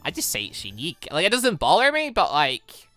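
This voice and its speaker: A gaming host giving excitable, rambling commentary and reading visual novel dialogue aloud, often repeating words. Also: mid-range voice, brisk. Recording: music behind the voice. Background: background music.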